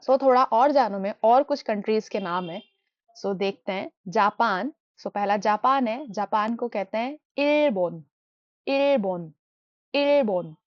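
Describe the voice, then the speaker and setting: A fairly high-voiced woman teaches a beginner language lesson, switching between Hindi and English as she explains. She says each new word slowly, two or three times over, like a classroom drill. The sound is dry and a little dull, with no room echo. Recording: dull, muffled dry recording.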